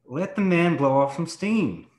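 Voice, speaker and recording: A man's voice: a little high, expressive, unhurried, a little mellow, reverberant. A man reading the part of a cocky, womanizing police chief in a laid-back, wry way during a screenplay table read.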